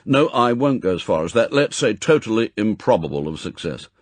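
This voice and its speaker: Man acting a gruff, impatient old spy chief. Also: fairly low pitch, big pitch swings, fairly quick, no echo. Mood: brisk, commanding. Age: older. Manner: brusque, authoritative, clipped commands. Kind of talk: audiobook character acting.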